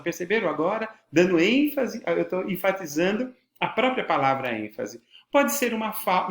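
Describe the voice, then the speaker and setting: A man's voice: on the high side, fairly bright tone, reverberant. A man with a Brazilian Portuguese accent, a teacher giving a formal, didactic lecture and stressing words for emphasis. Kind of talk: educational lecture on voice and podcasting.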